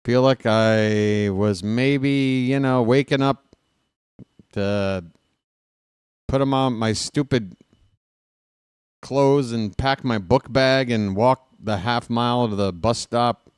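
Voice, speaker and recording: This medium-pitched man, a fan play-by-play broadcaster in his late forties, calls a baseball game live in a casual way, speaking slowly and smoothly with long pauses. Wry, sarcastic remarks and grumbling fill the gaps between calls, and his rants turn loud and animated. The audio is clean studio sound with no room echo.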